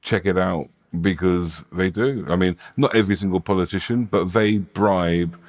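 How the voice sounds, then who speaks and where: A British man, an English teacher, discussing current affairs casually in a measured, explanatory way with careful phrasing. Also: deep voice, darkish tone. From Britain. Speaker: English teacher and conversation co-host.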